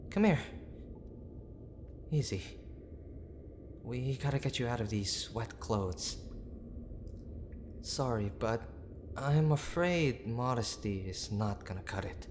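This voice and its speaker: A young boyfriend played by a male voice actor, gruff but tender and deeply worried. He speaks slowly and haltingly at a middle pitch, pleading in an intimate audio drama style. Storm ambience runs behind his voice. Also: a little hiss or hum. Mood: urgent, worried, then awkward, coaxing. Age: young adult. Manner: halting, pleading, with sighs and breathy asides.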